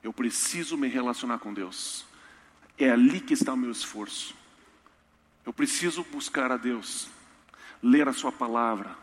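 A man preaching a sermon in a church, humorous and storytelling with lively asides. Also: mid-range voice. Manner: storytelling, humorous, animated impressions. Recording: reverberant church hall.

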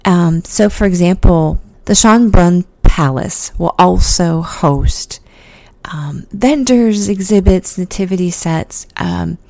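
A woman's voice: on the low side, takes it slowly, gravelly, darkish tone, dry recording. A woman hosting a casual solo podcast, talking in a chatty way with lots of ums and restarts. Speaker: podcast host.

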